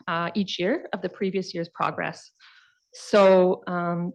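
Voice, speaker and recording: A woman's voice: fairly low pitch, low-quality recording. A woman with a Canadian accent, a city environmental lead presenting a report to council in plain speech with frequent fillers. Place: council chamber.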